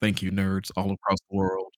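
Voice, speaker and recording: A man's voice: low voice, monotone, moderate pace, no room sound, studio quality. A man hosting a podcast in a casual, slangy chat, acting out little imagined quotes as he talks. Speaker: podcast host.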